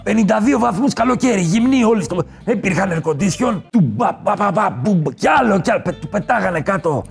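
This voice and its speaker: A man playing a boastful, swaggering nightlife king in a comedy sketch interview, talking loud and brash with shouted punchlines. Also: high voice, expressive, gravelly, faint music behind. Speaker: comic guest character.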